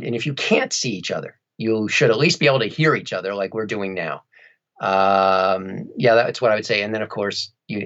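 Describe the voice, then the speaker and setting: A man speaking as a podcast guest, giving measured, explanatory advice in conversation. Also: on the low side, a bit bright, highs cut off. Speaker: podcast guest, audiobook narrator and producer.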